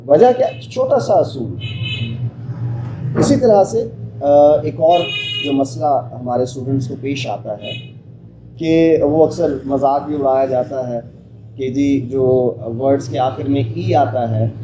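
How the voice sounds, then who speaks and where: A man's voice: medium pitch, slow pace. A man teaching pronunciation in an interactive lesson, emphatically sounding out letters and quizzing his listener with short questions. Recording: echoey room with steady background noise.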